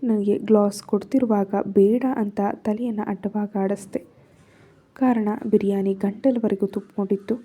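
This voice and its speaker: A woman's voice: medium pitch, steady tone, moderate pace, warm tone, slightly rough. A woman narrating a first-person love story in Kannada-accented speech, raising her voice for quoted lines.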